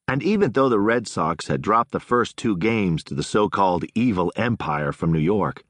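A man's voice: fairly low pitch, fairly bright tone, no echo, studio quality. A man narrating an audiobook in a breezy, unobtrusive way.

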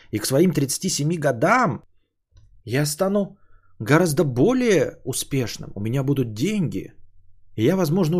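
A medium-pitched man in his thirties hosts a podcast alone, thinking out loud in a meandering way. Casual profanity dots his talk, which alternates between lively and subdued stretches.

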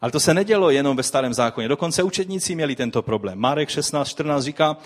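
Brief: male preacher, slightly raised pitch, lively sermon delivery with rhetorical questions. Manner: addresses the audience with rhetorical questions; animated storytelling with swings in loudness.

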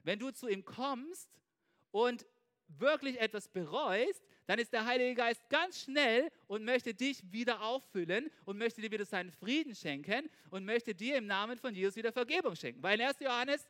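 Bright, lively high-voiced male preacher. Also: normal speed. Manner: animated, asks listeners "ja?" constantly. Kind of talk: informal sermon.

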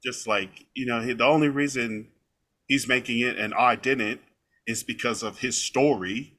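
A man talking casually on a podcast, telling a story in a rambling, lively way with many fillers. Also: mid-range voice, normal speed.

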